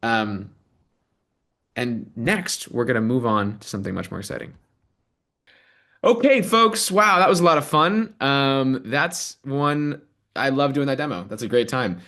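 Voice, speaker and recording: A man leading a live software demo and then interviewing a guest over a video call, talking with eager energy and many ums. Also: mid-range voice, a little slow. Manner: animated, enthusiastic, many ums and rights. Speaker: product manager giving a demo and host.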